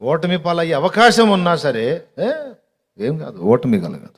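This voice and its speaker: A man's voice: fairly high pitch, sing-song, a little slow. A man preaching a sermon as pastor. He speaks emphatically and often turns to the congregation with direct questions.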